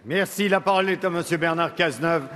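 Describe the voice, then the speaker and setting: A man's voice: fairly high pitch, quick pace, fairly bright tone. A man making brief, formal procedural announcements as a parliament's presiding officer. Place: parliament chamber. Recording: echoing hall with noticeable noise.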